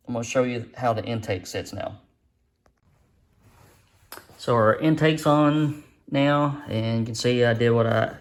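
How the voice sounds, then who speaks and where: A man casually explains a hands-on job to viewers, as an engine builder in a folksy, plainspoken, modest way. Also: lowish voice. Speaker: engine builder presenting a how-to video.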